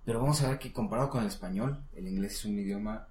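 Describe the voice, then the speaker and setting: Fast-talking, with a fairly low and somewhat mellow voice, a man with a Mexican Spanish accent tutors one person in English casually. He stays patient and encouraging, regularly checking in, and the recording carries a roomy echo.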